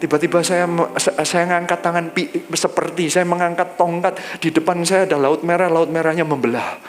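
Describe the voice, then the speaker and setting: A male pastor, telling a personal testimony in a sermon, lively and drawn-out when he quotes. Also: faint music behind. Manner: lively storytelling, drops low and slow when quoting God.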